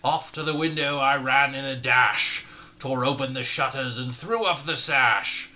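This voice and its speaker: Man, comic verse reader, very bright tone, mock-dramatic delivery with loud bursts. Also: medium pitch, a little slow. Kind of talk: comic dramatic poem reading.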